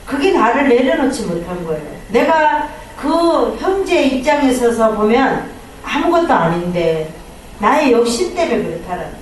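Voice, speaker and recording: A woman pastor preaching a sermon, animated, acting out quoted prayers and complaints. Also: on the high side, moderate pace, a little hiss or hum. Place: church sanctuary. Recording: echoey hall from far off.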